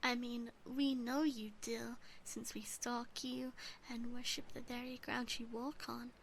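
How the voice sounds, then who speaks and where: A woman voicing a teasing, obsessive yandere demon sister in an ASMR roleplay, breathy and often whispering, gently doting and possessive. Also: on the high side, level tone, unhurried, a little hiss or hum. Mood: gentle reassuring.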